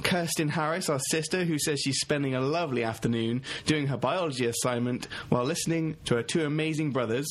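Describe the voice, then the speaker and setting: A man's voice: a little high, fairly quick, hardly any pauses. A young man from England co-hosting a student radio show, making wry, mock-dramatic jokes. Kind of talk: casual banter.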